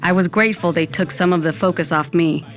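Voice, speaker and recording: A woman's voice: on the low side, fairly even intonation, fairly quick, faint music behind, close to an everyday voice. A woman playing a wry Latina narrator who tells her own story in an audio fiction podcast. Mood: reflective. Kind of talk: scripted first-person narration.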